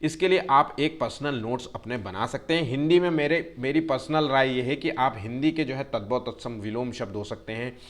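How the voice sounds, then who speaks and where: A man teaching a Hindi grammar exam-prep lesson, constantly using fillers, checking in with his students and drawing words out slowly to spell them. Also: mid-range voice. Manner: tells students to take care and keeps checking "theek hai".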